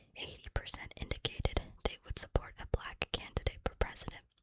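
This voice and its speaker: Someone is whispering at a fairly quick pace. Noticeable background noise can be heard. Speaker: ASMR reader. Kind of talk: book reading, ASMR. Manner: whispered, relaxing.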